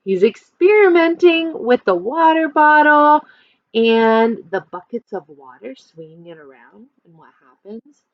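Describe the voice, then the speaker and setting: A woman's voice: sits high, expressive, measured pace, no room sound, highs cut off. A woman teacher reading a children's picture book aloud expressively, stopping to explain and put questions to young listeners.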